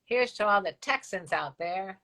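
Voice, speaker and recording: A woman's voice: medium pitch, expressive, normal speed, pushed and bright, rough recording. An older woman co-hosting a live stream, chatting frankly and bawdily and reading out viewer comments. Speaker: co-host of a live stream show. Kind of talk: casual chat.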